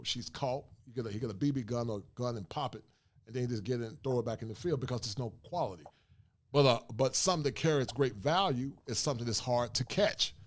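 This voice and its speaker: A man in his forties hosting a podcast, talking casually and joking with his co-hosts, often laughing. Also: medium pitch. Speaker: podcast host.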